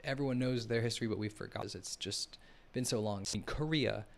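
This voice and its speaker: A man's voice: medium pitch, fairly quick, creaky, a little hiss or hum. A man hosting a live stream, talking loosely over a map, often restarting his sentences and speaking to the chat. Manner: rambling, self-correcting, addresses the chat. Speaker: host of a live analysis stream.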